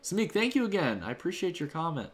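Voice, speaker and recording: A man's voice: sits high, sing-song, fast talker. A man hosting a livestream from home, casually thanking donors and answering chat in a loose, rambling way. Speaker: livestream host. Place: home room.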